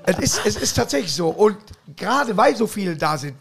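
A middle-aged man hosting a podcast, chatting in a rambling way and laughing loudly at his own jokes. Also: high-pitched, sing-song, brisk, gravelly, breathy edge. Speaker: podcast host. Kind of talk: casual chat.

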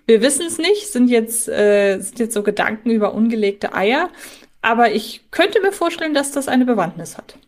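A woman's voice: on the high side, lively intonation, normal speed, darkish tone. A woman co-hosting a podcast, talking conversationally in a fan discussion. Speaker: podcast co-host.

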